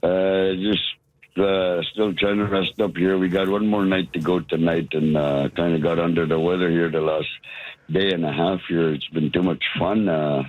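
Hoarse guy calling in, super deep rough voice, tinny dry phone line. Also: normal speed, no room sound. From Canadian Arctic. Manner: excited, exclaims often. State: hoarse, lost his voice. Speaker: caller.

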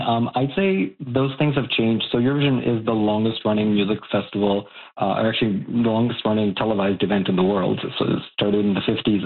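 A man from Bosnia and Herzegovina, a young adult, speaking as a guest expert in a radio interview, thoughtful with many fillers and restarts. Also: on the low side. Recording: tinny phone line.

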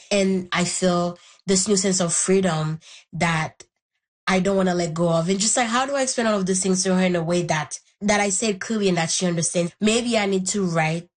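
A young woman from Haiti whose first language is Haitian Creole, thoughtfully telling her own story as an interview guest and searching for the right words. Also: on the low side. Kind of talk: reflective personal story.

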